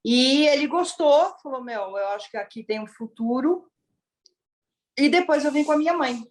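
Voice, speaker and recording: A woman actress born in Italy and raised in Brazil, chatting in an interview as a lively storyteller full of exclamations. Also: high voice, normal speed. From born in Turin, Italy, raised in Brazil. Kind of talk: casual interview chat.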